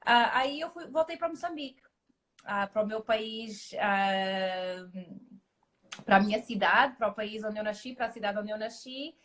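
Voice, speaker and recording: A woman's voice: mid-range voice, normal speed, a bit bright. A middle-aged woman from Mozambique, a naturopathic doctor, speaking as a guest in a live interview with many fillers and restarts.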